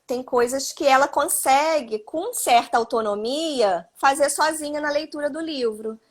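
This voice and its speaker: A woman's voice: high-pitched, a little slow. A Brazilian Portuguese-speaking woman, a psychologist, explaining parenting advice on a live stream, often adding tag questions. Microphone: phone or video call.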